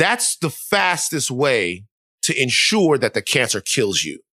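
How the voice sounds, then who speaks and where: This man has a fairly high pitch, vocal fry and a bright, sharp tone. His delivery is animated, with very wide pitch swings, and the sound is dry and close with no echo. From South Louisiana. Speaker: podcast host. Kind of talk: casual conversational podcast discussion. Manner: animated, casual slang.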